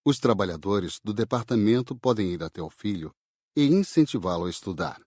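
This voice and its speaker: Man reading as a husky, lively spirit mentor. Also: on the low side, no echo, clean studio sound. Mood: patient, explanatory. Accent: Brazilian. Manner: didactic, measured. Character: male spirit worker calmly explaining, patient instructor. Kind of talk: audiobook dialogue reading.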